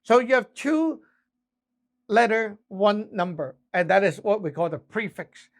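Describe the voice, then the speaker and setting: High-pitched man giving a casual tutorial. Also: lively intonation, measured pace, vocal fry. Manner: informal, frequent tag questions like "right?" and "okay?". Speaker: instructor, channel host. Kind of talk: casual beginner tutorial, explaining step by step.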